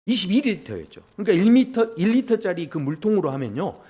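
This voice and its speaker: A male pastor preaching a sermon, asking the congregation questions and swinging between loud emphasis and hushed low lines. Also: fairly quick, slightly rough. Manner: lively, asks the congregation questions.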